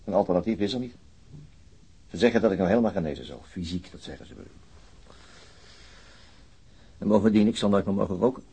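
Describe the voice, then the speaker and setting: A middle-aged wounded policeman in a radio drama, gloomy and wry. His low voice is very husky and full of gravelly creak. He speaks in a subdued, weary, hesitant way, with a sardonic edge. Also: rapid-fire, dark tone, exaggerated voice. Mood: wry, resigned. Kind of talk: naturalistic radio play acting.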